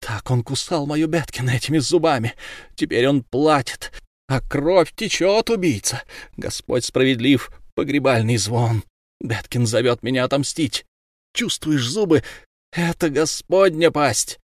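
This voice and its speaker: A man's voice: medium pitch, animated, a little slow, no room sound, studio quality, lightly acted. A man voicing a grieving mother who screams for revenge on her daughter's killer. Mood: vengeful. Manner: shouting, ferocious. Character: grieving mother, furious and vengeful woman.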